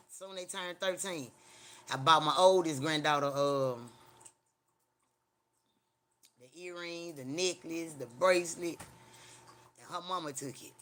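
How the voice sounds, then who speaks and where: A middle-aged Mississippi man speaks in Southern African American English, his voice slightly high, bright and forceful. He chats casually on a livestream, rambling along in a blunt, profane, country manner.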